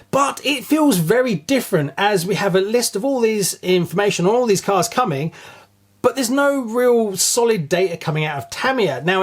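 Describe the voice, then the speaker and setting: A man hosting his own channel, giving a casual, chatty news roundup straight to his viewers with open enthusiasm. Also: sits high. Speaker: channel host.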